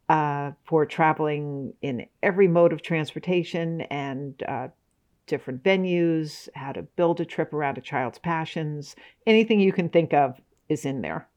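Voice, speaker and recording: A woman's voice: sits low, unhurried, darkish tone. A woman guest on a podcast, explaining things steadily and informatively, with a few hesitations. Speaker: guest, travel writer. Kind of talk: interview answers.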